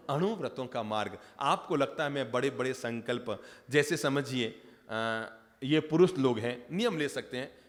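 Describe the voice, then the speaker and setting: A Jain monk from Rajasthan, India, delivers a sermon in a mid-range, fairly bright voice. He's humorous, joking with his audience and putting questions to them directly. A long hall reverb hangs on the recording.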